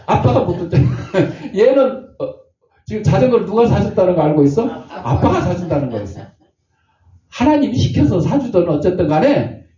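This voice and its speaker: A man's voice: sits high, mellow. An older man preaching a sermon as pastor, telling folksy stories and acting out the voices of the people in them. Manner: folksy storytelling, acts out voices. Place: church sanctuary. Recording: echoey, distant, dull church recording.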